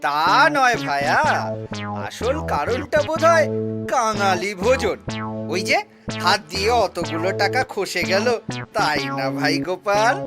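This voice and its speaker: Pious village neighbor, cartoon, needling, slow theatrical drawl, loud music behind. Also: male voice, high-pitched, sing-song. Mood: sly, needling. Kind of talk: Bengali children's cartoon voice acting.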